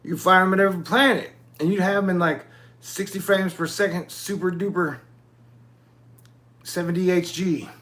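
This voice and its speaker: Rambling man in his forties, higher voice. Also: fairly even intonation, moderate pace, a bit bright. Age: 40s. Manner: loose, digressive, swears casually. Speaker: YouTube channel host. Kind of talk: casual rambling monologue.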